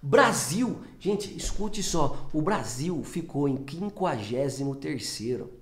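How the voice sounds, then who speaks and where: A man's voice: a little high, takes it slowly. A man from Brazil, an English teacher giving a persuasive talk straight to the viewer. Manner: animated and persuasive, addresses viewer directly. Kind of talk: direct-to-camera teaching talk. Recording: echoey room.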